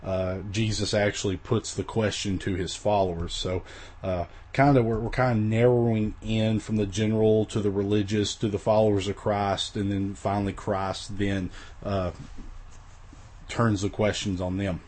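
A man's voice: fairly low pitch, darkish tone, a little hiss or hum. A man teaching a recorded Bible lesson in a casual, rambling way, with many fillers and restarts, his voice weak after the flu.

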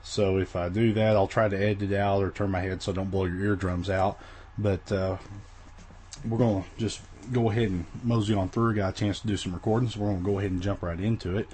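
A man's voice: sits low, fairly even intonation, brisk, a little mellow, slight background noise. A man teaching a recorded Bible lesson in a casual, rambling way, with many fillers and restarts, his voice weak after the flu.

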